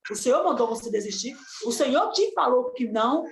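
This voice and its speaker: Brief: high-pitched woman preacher, fervent and insistent, in an echoey room. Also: expressive, a little fast. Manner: fervent, repetitive exhortation with rising cries. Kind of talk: Pentecostal-style sermon on a live stream. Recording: echoey room with faint noise.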